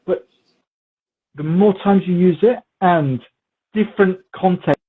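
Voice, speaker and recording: Brief: man, language teacher, husky, slightly high voice, tinny phone-like sound. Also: a little slow. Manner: relaxed, repetitive for emphasis, mixes in Turkish words. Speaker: English teacher interviewed as guest. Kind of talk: casual conversational Q&A. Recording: muffled phone-like audio.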